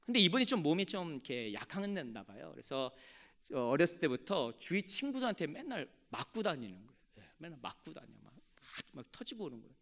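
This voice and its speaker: Male pastor, high and lively voice, animated sermon storyteller. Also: quick pace. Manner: animated storytelling, calls on the congregation to respond.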